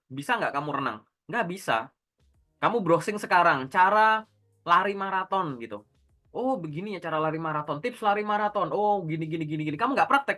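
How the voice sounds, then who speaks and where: A man's voice: high voice, pushed and bright. A man working as a career coach, giving direct, instructive advice in casual one-on-one talk and answering his own rhetorical questions. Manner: asks rhetorical questions and answers them himself; direct, instructive, uses everyday slang.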